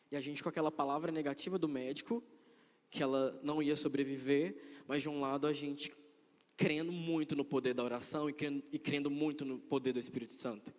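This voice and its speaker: A man's voice: mid-range voice, darkish tone. A young man giving an earnest religious testimony, repeating phrases for emphasis. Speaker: church member giving testimony. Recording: long hall reverb.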